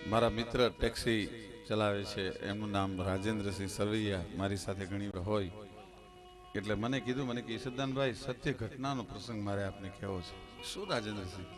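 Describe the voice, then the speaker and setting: A man from Saurashtra with a Gujarati accent, telling devotional folk stories on stage in an impassioned way that swells to near-shouted peaks. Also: lowish voice, brisk. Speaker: folk storyteller. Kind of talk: Gujarati dayro folk storytelling. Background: live music accompaniment.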